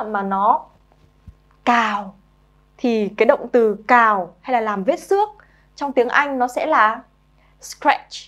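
A young woman who teaches English to children, coaxing her pupils and saying each new word slowly several times over. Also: on the high side. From Vietnam. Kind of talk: children's vocabulary lesson.

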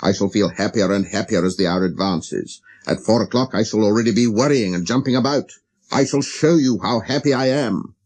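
Wistful wild fox for a storybook, male reader: deep, soft-toned, murmuring, slow and earnest. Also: natural voice. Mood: patient, instructing. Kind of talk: storybook character reading.

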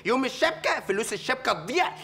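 An actor playing a luckless young man with an Egyptian accent, sarcastic and excitable. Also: extremely high pitch, very fast, slight background noise, heavily acted. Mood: grumbling. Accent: Egyptian Arabic.

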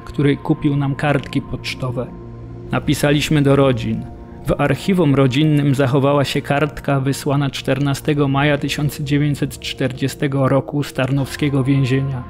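An actor playing an earnest prisoner who recounts his captivity in measured storytelling for a radio documentary drama. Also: medium pitch, a little mellow, close to an everyday voice. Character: earnest male Polish prisoner recalling hunger and discipline.

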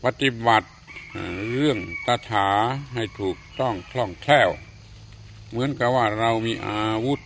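An older man, a Buddhist monk from Thailand, giving a slow, measured sermon with occasional hesitant fillers. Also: medium pitch, fairly bright tone, slight background noise.

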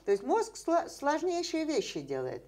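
A woman's voice: high-pitched, wildly swooping pitch, moderate pace, darkish tone. An older woman, a scientist guest in an interview, explaining ideas at length with many fillers and rhetorical questions, seated in a dim indoor room.

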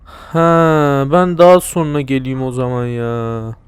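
A man's voice: medium pitch, flat delivery, slow, clear, resonant tone, no echo. A young man casually commenting on a video game, joking and talking back to the characters and the viewers. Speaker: let's play commentator.

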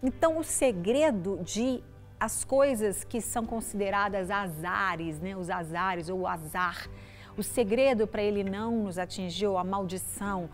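On a TV studio set, a middle-aged Brazilian pastor speaks to the viewer through a lapel mic, her mid-range voice unhurried over faint background music. Her short devotional is conversational, and she frequently checks in with "né?".

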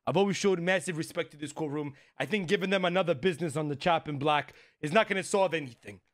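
A man roleplaying in a mock courtroom with a put-on New York Italian accent, pleading in mock-formal tones and breaking into hushed asides. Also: on the high side, quick pace.

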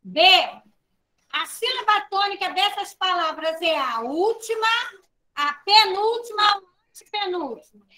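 Brazilian teacher lady, really high voice, slow patient lesson for kids, spells out letters. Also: expressive, bright, forceful tone, low-quality recording. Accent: Brazilian Portuguese. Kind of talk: video lesson for children.

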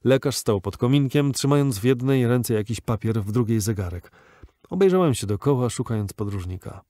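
A man reads a classic novel aloud as an audiobook narrator, steady and measured. His voice is dark and mellow, recorded dry and close with no room sound. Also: mid-range voice, no echo. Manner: measured, even storytelling.

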